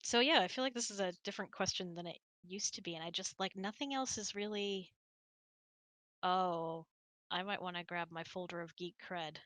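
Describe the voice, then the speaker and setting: A woman's voice: on the low side, moderate pace, a bit bright, dry recording, studio quality. A woman hosting a casual online hangout, chatty and self-deprecating, thinking aloud as she answers audience questions. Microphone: close mic on an online voice chat.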